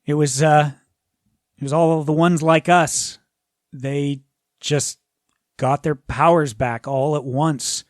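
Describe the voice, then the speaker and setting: A man's voice: fairly high pitch, steady tone, slow, long pauses, no echo, clean studio sound. A man voicing an agitated, exasperated, swearing superhero cop in a tabletop game. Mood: frustrated. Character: agitated chain-smoking male superhero cop, gruff and urgent.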